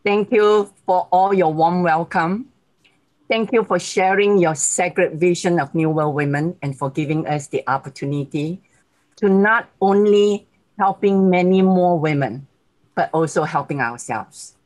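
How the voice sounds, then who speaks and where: A woman in her sixties speaks with a Malaysian accent over a video call. Her voice sits a little low, and her talk is warm and thankful, often broken by soft laughter. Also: measured pace, low-quality recording. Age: 60s. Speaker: guest speaker.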